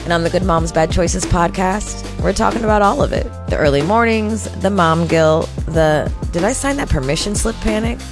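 A woman reads a podcast promo in a slightly low voice, keeping it brisk and relatable. Music plays clearly behind her. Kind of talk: scripted promo read.

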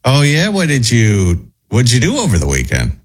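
A man hosting a morning radio talk show, sick and losing his voice, talking in a hesitant, halting way from the studio. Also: mid-range voice, huge pitch swings.

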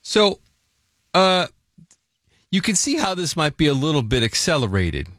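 Animated male radio host. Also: fairly high pitch, unhurried, no echo, clean studio sound. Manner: chatty, animated, leading questions. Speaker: radio morning show host. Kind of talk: radio call-in segment. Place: radio studio. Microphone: studio mic.

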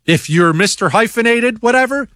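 A man's voice: very high voice, expressive, moderate pace, sharp tone, no room sound, clean studio sound. A man hosting a talk show, answering listener emails in a blunt, emphatic, combative monologue. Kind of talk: opinionated talk radio monologue.

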